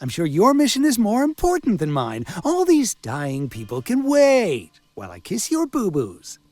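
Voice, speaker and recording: An actor voicing a sardonic, wisecracking village doctor and coroner in a video game, with a theatrical delivery. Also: male voice, sits high, huge pitch swings, normal speed, a little mellow, no echo, faint music behind. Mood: sarcastic. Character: sarcastic village doctor and coroner, self-styled man of science. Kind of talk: video game character acting.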